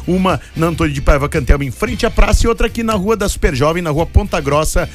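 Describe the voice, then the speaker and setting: A man, hosting a radio show, joking with his co-host and reading sponsor plugs in a rushed announcer style. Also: on the high side, expressive, soft background music. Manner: jokey, rushed announcer delivery. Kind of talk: casual radio banter and live sponsor plugs. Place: radio studio.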